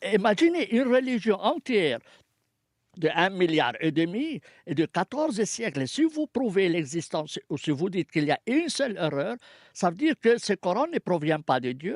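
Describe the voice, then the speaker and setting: The man's high voice makes very wide pitch swings at a moderate pace, recorded dry and close with no echo. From Palestine. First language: Arabic (speaking French). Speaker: law professor and Quran scholar. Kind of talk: interview.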